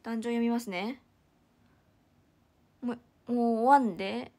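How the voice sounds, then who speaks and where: A woman's voice: a little high, unhurried, mellow. A young woman chatting casually on a live stream, giggling and thanking viewers one by one.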